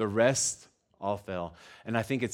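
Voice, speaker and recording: On a very clean recording with a silent background, a man talks in an American accent. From Texas. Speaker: pastor. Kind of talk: sermon. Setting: church.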